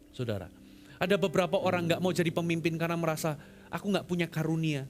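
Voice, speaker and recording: A man preaching a sermon as pastor, swinging between loud emphatic lines and hushed, quiet ones. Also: a little high.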